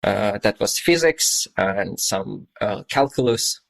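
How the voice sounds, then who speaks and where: Slow and expressive, his fairly low voice creaky, an Estonian podcast guest in his thirties who grew up speaking Russian reflects in a meandering, thoughtful manner. The casual conversation is dotted with many fillers.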